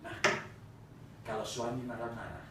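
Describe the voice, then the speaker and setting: A male pastor giving a sermon, animated and joking with the congregation, at times laughing loudly. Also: medium pitch, a little slow. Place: church chapel. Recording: echoey church hall, mic at a distance, noisy.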